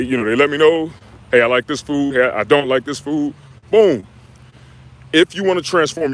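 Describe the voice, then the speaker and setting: A young man from the United States, a fitness coach answering viewers' questions on a live stream in a relaxed, slangy way. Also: mid-range voice. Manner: laid-back, slangy, talks straight to viewers with "y'all" and "man". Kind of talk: live stream Q&A, reading chat comments.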